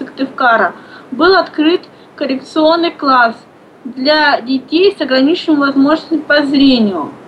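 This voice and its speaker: There is noticeable background noise behind a woman speaking with a high voice. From Komi Republic, Russia. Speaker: Braille teacher. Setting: phone call.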